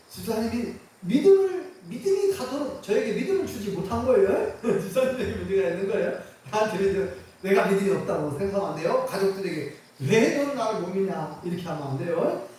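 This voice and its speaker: A man's voice: sits high, dark tone, slight background noise. A man preaching a sermon as a pastor, telling the story vividly, acting out the quoted voices and putting questions to the congregation. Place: church. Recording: echoey hall, mic far off.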